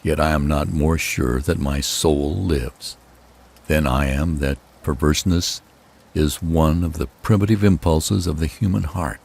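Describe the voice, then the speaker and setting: A man with a gravelly, husky voice narrating a gothic horror tale in the first person, with dramatic, deliberate phrasing. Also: extremely low pitch, a little mellow.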